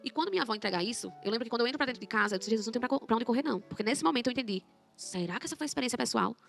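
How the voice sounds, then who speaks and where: A young woman telling her conversion testimony in an emotional, animated way, acting out her own quoted words as she talks. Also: on the high side, very fast, gravelly, soft background music. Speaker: guest giving a conversion testimony.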